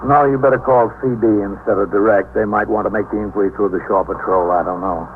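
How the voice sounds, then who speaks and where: An actor as a calm, low-voiced precinct captain. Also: male voice, natural voice. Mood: steady. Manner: measured, deliberate. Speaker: narrator and police captain. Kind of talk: 1950s radio drama acting. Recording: tinny old radio broadcast with faint hiss.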